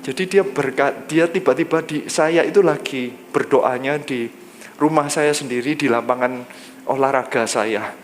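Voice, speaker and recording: A male pastor, telling a personal testimony in a sermon, lively and drawn-out when he quotes. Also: a little hiss or hum. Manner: lively storytelling, drops low and slow when quoting God.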